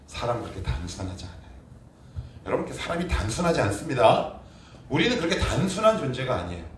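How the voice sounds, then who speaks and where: A male pastor preaching a sermon emphatically, posing rhetorical questions and answering them himself, moving between quiet and forceful delivery. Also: medium pitch, very animated, quick pace. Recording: roomy echo, distant mic, faint noise.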